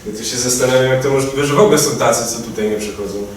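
A man's voice: medium pitch, rapid-fire, lightly acted. A young male student actor playing a pompous, admiring devotee who lectures the others in a grandiloquent way. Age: late teens. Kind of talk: amateur stage acting. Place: converted attic hall at a school. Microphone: distant room mic. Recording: echoey room, distant mic, noisy.

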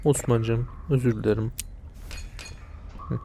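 A man's voice: medium pitch, fairly even intonation, slow pace, vocal fry, dark tone, a little hiss or hum. A young man casually commenting on a video game, joking and talking back to the characters and the viewers. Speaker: let's play commentator.

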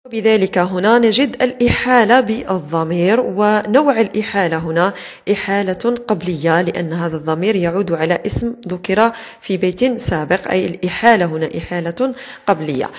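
A woman teacher explaining exam answers in a recorded lesson, methodical and patient, slowing down to repeat key words. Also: medium pitch.

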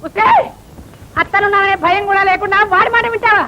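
An actress playing a domineering, sharp-tongued mother-in-law in a film comedy. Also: very high-pitched, steady tone, fast talker, highs cut off. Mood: scolding. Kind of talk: 1980s film comedy acting. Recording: film soundtrack with loud hiss.

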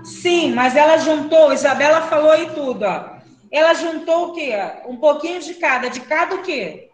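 A woman with a Brazilian Portuguese accent teaching a primary class online, brisk and questioning, calling pupils by name. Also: sits high, roomy sound, rough recording.

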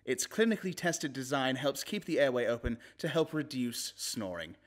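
A man giving a polished, clearly presented scripted read in the style of a commercial or news host. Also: mid-range voice, expressive, moderate pace. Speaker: voice actor, comedy news host.

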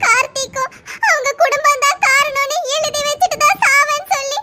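A woman's voice: very high voice, normal speed, noisy background. A woman voicing a timid, tearful pregnant teenage girl in a cartoon, begging and pleading. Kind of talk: cartoon voice acting.

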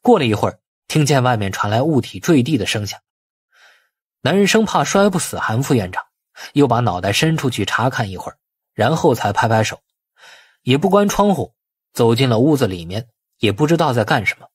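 A man's voice: mid-range voice, sing-song, fairly quick, husky, no room sound, studio quality. A man reading a suspense novel as a dramatic audiobook narrator.

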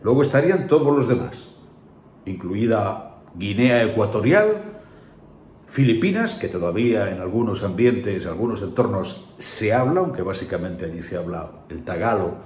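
A man's voice: fairly low pitch, expressive, moderate pace, a little mellow, slight background noise. A male voice-over artist from Spain with a Spain Spanish accent, ranting emphatically and scolding in an opinionated commentary. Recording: echoey room.

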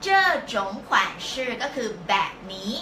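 A woman teaching a live-stream language lesson, patiently explaining step by step and slowly repeating words for learners. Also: fairly bright tone, slight background noise. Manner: slow, drawn-out repetition of words for learners. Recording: echoey room.

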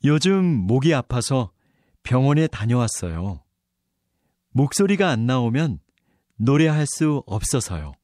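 A man reading his part of a scripted listening-test dialogue clearly and evenly. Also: medium pitch, very animated, measured pace, darkish tone, no echo, studio quality. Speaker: dialogue reader on a Korean listening exam.

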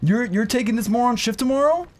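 A man putting on the voice of a harsh, bossy woman fast-food manager, sharp and demanding. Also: extremely high pitch, expressive, voice pushed up.

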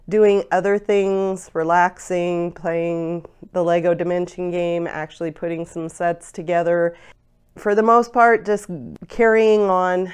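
A congested woman in her forties vents in a chatty home vlog, laughing now and then as she talks. Her voice sits a little low and stays smooth and clear despite the cold. She is recorded close on a lapel mic in a room at home. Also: darkish tone. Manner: chatty, venting with frequent laughs. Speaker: online parts store owner. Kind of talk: casual vlog rant. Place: home room lined with storage drawers.

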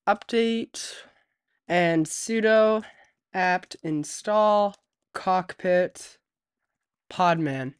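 A man hosting a tech tutorial, walking through software setup step by step as a voice-over at a USB desk microphone. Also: high-pitched, clean tone, dry recording, studio quality. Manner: steady step-by-step instruction. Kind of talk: screen-recorded software tutorial.

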